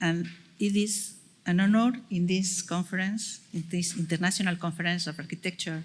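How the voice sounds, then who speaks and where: Keeping her intonation fairly even, a woman talks in a somewhat breathy voice. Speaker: conference presenter introducing speakers. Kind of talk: formal introduction at conference. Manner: halting, hesitant.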